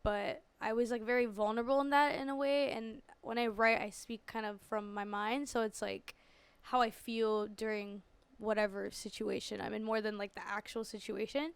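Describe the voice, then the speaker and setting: This young Canadian woman, an R&B singer, is a guest on a podcast, chatting casually in the studio with lots of "likes," fillers, and easy laughter. Her voice sits on the high side and is smooth, at a normal speed, with no room sound.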